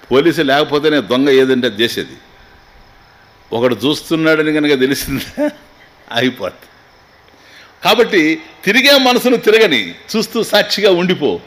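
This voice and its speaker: A man's voice: medium pitch, fairly bright tone. A man, a swami, giving a spiritual discourse to listeners, asking rhetorical questions and mixing in English phrases. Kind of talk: Vedanta discourse in Telugu.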